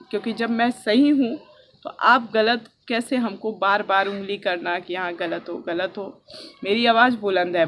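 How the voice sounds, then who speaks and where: A young woman from India talking softly and earnestly in a personal vlog, recorded outdoors on a rooftop with a phone on a selfie stick. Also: a little high, slight background noise. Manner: earnest and heartfelt, speaking softly. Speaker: vlogger.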